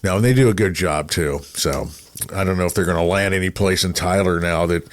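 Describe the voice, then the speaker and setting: A man's voice: low-pitched, brisk. A middle-aged American man chatting casually as a podcast host, with a rambling, wry, self-deprecating manner. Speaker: radio broadcaster, podcast co-host. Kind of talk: casual chat.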